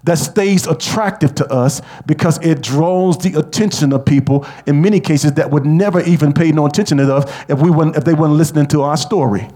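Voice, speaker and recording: A man preaching a sermon, leading the congregation in call-and-response and rising to shouts. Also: fairly high pitch, a little fast, few pauses.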